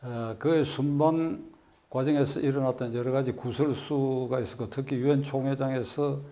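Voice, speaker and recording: A man hosting a political talk show, putting questions to a guest in a measured way. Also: mid-range voice, steady tone, dark tone.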